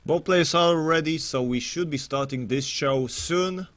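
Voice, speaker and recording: A man casts an esports match in a slightly high voice. He chats to viewers like mates, rambling into jokey banter, then slipping into playful announcer phrasing before returning to casual game commentary. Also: a little slow, a bit bright, dry recording.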